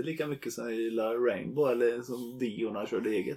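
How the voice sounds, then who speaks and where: At a moderate pace, a man talks in an ordinary speaking voice with a medium pitch and ordinary pitch variation. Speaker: bass player and former wrestler. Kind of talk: casual chat.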